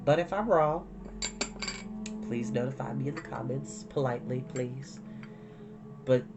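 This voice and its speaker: A man's voice: medium pitch, measured pace, muffled recording. A man hosting an online storytime, chatting casually and reading a storybook expressively. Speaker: host of an online storytime show. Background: background music.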